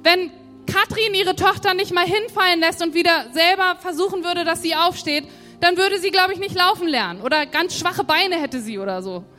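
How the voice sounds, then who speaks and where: High-voiced woman preacher in a hall. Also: moderate pace, pushed and bright. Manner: conversational, addresses the congregation directly. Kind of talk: sermon. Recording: long hall reverb, faint music.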